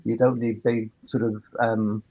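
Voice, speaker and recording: A man's voice: lowish voice, level tone, measured pace. A man explaining technical points informally on a webinar, rambling and repeating words, from a microphone a few feet away. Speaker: sound engineer and workspace operator, panellist. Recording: dull, band-limited webinar audio.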